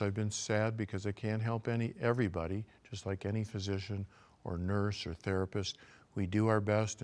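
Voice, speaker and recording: An older man, a physician, giving a calm, measured health lecture and guiding listeners through self-assessment questions. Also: fairly low pitch.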